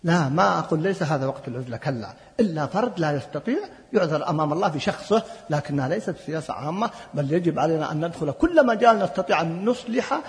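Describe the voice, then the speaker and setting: Man preaching quick and high, answers questions, gets emphatic, long echo from the hall. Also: animated. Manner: emphatic, builds to forceful invocations. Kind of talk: religious lecture with audience questions.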